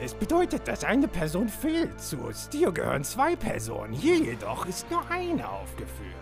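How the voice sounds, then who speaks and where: A put-on character voice moves at a moderate pace over loud music in the background. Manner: calm, explanatory.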